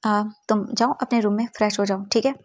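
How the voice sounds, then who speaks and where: A woman voicing a kind middle-aged father who speaks gently and reassuringly but firmly. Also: mid-range voice, fairly even intonation, brisk, no room sound, lightly acted. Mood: gentle. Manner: soothing, reassuring.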